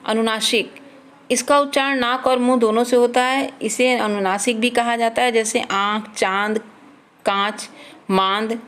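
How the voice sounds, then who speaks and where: A woman's voice: a little high, steady tone, measured pace, fairly bright tone. A woman teaching a children's grammar lesson, reading out letters and example words one at a time.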